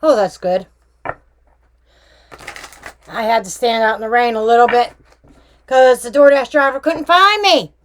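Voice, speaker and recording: A woman's voice: a little high, a little slow, pauses often. A woman hosting a casual true crime tarot reading vlog, chatty and emphatic with slangy asides. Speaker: tarot reader and true crime channel host.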